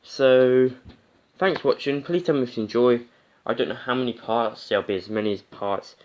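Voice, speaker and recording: A man's voice: medium pitch, normal speed, darkish tone, dull audio. A man hosting a let's play, chatting casually and reading a visual novel aloud. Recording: music behind the voice. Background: music.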